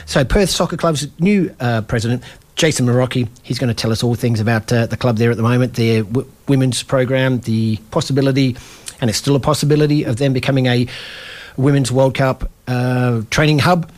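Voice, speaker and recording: A man's voice: mid-range voice, brisk, darkish tone. A man hosting a casual community radio football show, rambling with lots of fillers and self-deprecating asides. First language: English.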